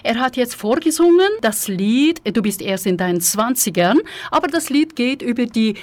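A woman's voice: fairly high pitch, lively intonation, dry recording. A woman radio host, chatting and recapping her guest's words in a bilingual interview. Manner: chatty, recaps guest's words in German, some halting restarts. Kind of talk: bilingual interview, German and Russian.

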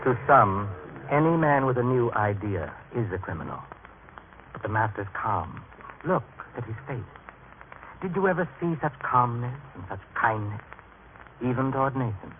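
An actor playing a reverent, thoughtful onlooker with a measured manner in an old radio drama. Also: male voice, mid-range voice, very animated, phone-quality sound, natural voice. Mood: hushed admiration. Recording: noisy, band-limited vintage radio recording.

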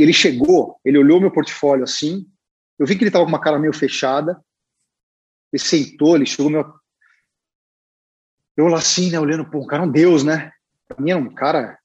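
A man with a Brazilian Portuguese accent, a guest illustrator telling a story in a chatty, animated way with lots of fillers. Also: on the high side, brisk, slightly rough, dull audio. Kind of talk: casual storytelling.

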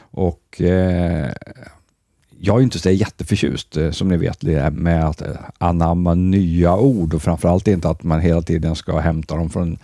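A man's voice: low voice, dark tone, no room sound, studio quality. A man hosting a radio show, chatting casually and hesitating with many filler sounds.

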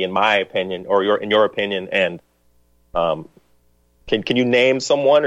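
A man hosting a call-in radio talk show, speaking in a measured, reflective way while feeling ill. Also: lowish voice, no echo, dull audio. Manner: measured, reflective, hums along with the caller.

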